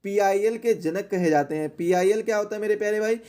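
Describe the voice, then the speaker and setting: A man's voice: sits high, fast talker, darkish tone. A man teaching an exam question-and-answer lesson in a didactic way, repeating key phrases for emphasis.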